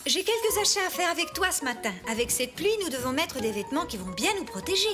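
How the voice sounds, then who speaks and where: A woman's voice: high-pitched, big pitch swings, quick pace, over music. A woman voicing a patient, caring mother of a small boy in a children's cartoon.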